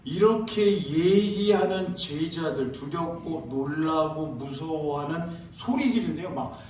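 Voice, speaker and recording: A man preaching a sermon as pastor, asking his congregation questions and answering them himself, and reading scripture slowly. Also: on the high side, darkish tone, a little hiss or hum. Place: church sanctuary. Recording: very echoey church, heard from a distance.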